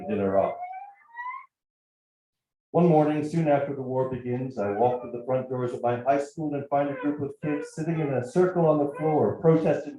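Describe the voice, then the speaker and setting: Man, literary reading, measured and reflective, mellow tone, heavy room echo. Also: mid-range voice, lo-fi sound, a little hiss or hum. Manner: measured, reflective reading of first-person prose. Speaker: actor reading a writer's piece. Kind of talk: literary reading at a live event. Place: bar event space, indoors. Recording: very echoey room, faint music.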